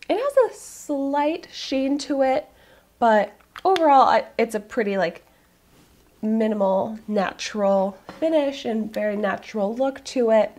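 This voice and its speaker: A woman in her thirties, hoarse from a cold, gushing and candid as she reviews a product to camera in a small room. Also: fairly high pitch, darkish tone. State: hoarse, getting over a cold. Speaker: beauty vlogger. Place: small room in front of a floral backdrop.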